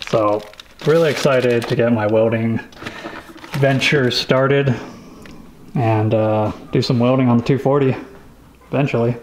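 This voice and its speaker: A man casually showing off tools he bought, talking in a relaxed, rambling way with lots of fillers. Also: mid-range voice, a little hiss or hum, low-quality recording. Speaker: vlogger showing a tool haul. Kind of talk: casual show-and-tell chat.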